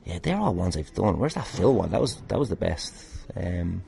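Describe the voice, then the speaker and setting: A man's voice: low voice, very animated, normal speed, gravelly, mellow. A man with an Irish accent telling casual, rambling anecdotes as a podcast host, jokey, sweary and self-deprecating. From Ireland. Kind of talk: casual rambling anecdotes answering fan questions.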